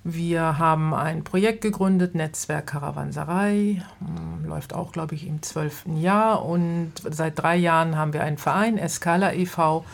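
A woman's voice: low-pitched, fairly even intonation, moderate pace, gravelly, few pauses. A woman who makes theatre, a guest in a radio interview, explaining her work fluently.

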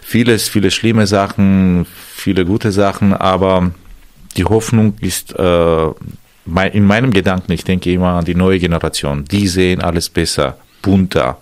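A man being interviewed as a musician guest, German not his first language with Russian close to native, answering in a calm, measured and optimistic way. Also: low voice, no echo.

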